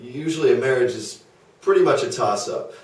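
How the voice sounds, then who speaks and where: A man's voice: mid-range voice, lively intonation, fairly quick, lightly acted. A man at a table read playing a chatty, gossiping ancient Greek admirer of Socrates in a comedic dialogue, rambling and stumbling a little. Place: small meeting room around a table. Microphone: far camera or table recorder. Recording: very echoey meeting room, distant mic.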